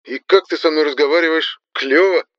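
A man voicing a young male soldier who sounds surprised and excited, boyish in manner. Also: fairly high pitch, moderate pace, no room sound, lo-fi sound, pitched above the performer's own voice, close to an everyday voice.

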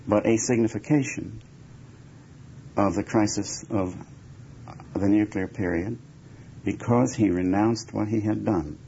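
A man giving reflective interview answers in deliberate, emphatic, measured phrases. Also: fairly low pitch, steady tone, creaky, warm tone. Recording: dull lo-fi recording with background noise.

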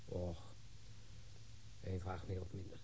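A man's voice: deep voice, completely flat delivery, a little slow, background noise. An actor playing a weary, sarcastic male police detective who needles his colleagues in a Dutch radio crime drama. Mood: dry amusement. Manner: sardonic, mocking.

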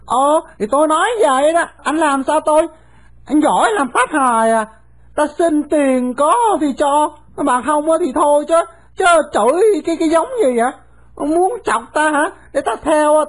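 A woman's voice: sits high, voice pushed up, close to an everyday voice. A woman voicing a bold, mouthy young boy who talks back without fear. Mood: brash. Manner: brash, mouthy, quick to talk back. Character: bold, cheeky young boy, brash and fearless.

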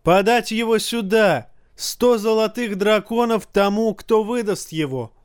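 A spoiled, hot-tempered young king barks commands at his guards, as a male audiobook narrator puts him on. The voice is pushed noticeably higher than the reader's own and comes across dry and close, with no room around it. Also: a little slow, smooth, no room sound. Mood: furious. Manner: shouting imperious commands.

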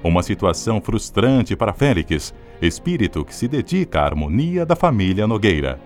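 A man's voice: on the low side, big pitch swings, normal speed, darkish tone. A man with a Brazilian accent reading scripted, dramatic radio narration as an announcer. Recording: music bed behind the voice.

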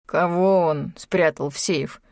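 A woman voicing a stolid, unflappable man who speaks slowly and deliberately in a lowered voice. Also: a little mellow, no room sound, studio quality. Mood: deadpan.

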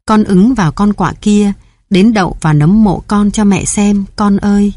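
A woman's voice: mid-range voice, animated, normal speed, a little mellow, no room sound, lightly acted. Old mother in grief, wailing and bewildered, read by a woman, storybook, dry close sound. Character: grieving old mother at her son's grave.

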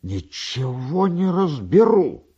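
A man's voice: on the high side, very animated, slow pace, warm tone, husky, highs cut off, voice pushed up, exaggerated voice. A man voicing a timid, hapless barber who mutters and pleads in bewilderment in a literary story. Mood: bewildered muttering.

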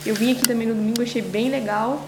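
A young woman student leads an interview in a halting way, leaning on fillers as she searches for her words. Her voice sits a little above average in pitch. She is recorded in an echoey room with faint noise behind her. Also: steady tone. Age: young adult. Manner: hesitant, many fillers and restarts. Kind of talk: casual interview questions.

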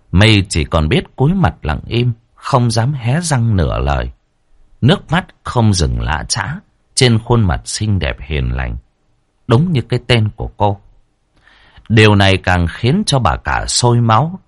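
A man narrating a dramatic audio story with an expressive, rising and falling delivery. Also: deep voice. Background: faint background music.

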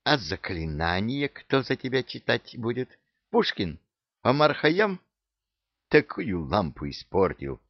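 A man's voice: mid-range voice, big pitch swings, unhurried, no room sound, dull audio. A man voicing a fierce, domineering female genie who hisses sarcastic threats in a storybook reading. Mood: menacing. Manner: hissing, sarcastic.

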